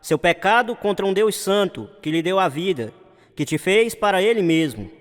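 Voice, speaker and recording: A man's voice: high-pitched, lively intonation, moderate pace. An actor playing an earnest male evangelist delivering a sermon of salvation in a radio drama. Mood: earnest, exhorting. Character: earnest male evangelist preaching to a crowd through loudspeakers. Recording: long hall reverb, like loudspeakers.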